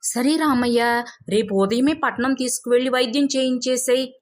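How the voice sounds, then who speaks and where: A woman's voice: sits high, fairly even intonation, normal speed, pitched above the performer's own voice, lightly acted. A woman voicing a cunning, greedy male village moneylender in a moral folk tale, with a demanding, taunting manner. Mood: coaxing, brisk.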